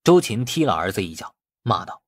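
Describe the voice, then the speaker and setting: A man's voice: lowish voice, very animated, brisk, breathy edge. A man reading scripted novel narration as an audiobook narrator.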